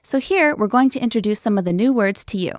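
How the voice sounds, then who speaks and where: A woman's voice: a little high, expressive, quick pace, no echo, clean studio sound. Upbeat woman hosting a language lesson. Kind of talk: scripted lesson dialogue.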